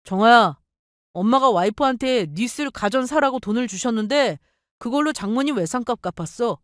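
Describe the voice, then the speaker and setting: Woman doing a chill young husband, measured n placating, voice a bit lower than hers, dry sound. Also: animated, no room sound, natural voice. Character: calm, reasonable young husband.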